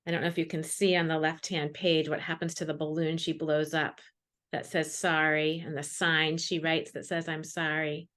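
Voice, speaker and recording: A woman's voice: low voice, level tone, normal speed, fairly bright tone. A woman, a children's author, introducing and reading her picture book to classrooms over a video call.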